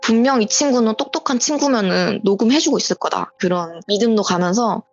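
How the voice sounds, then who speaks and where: A woman's voice: on the high side, brisk. A woman calling in to tell her own true story in a vivid, breathless retelling. She acts out the lines that people said. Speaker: viewer sharing a true story by voice call. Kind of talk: casual call-in storytelling. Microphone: voice call. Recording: muffled voice call with faint music.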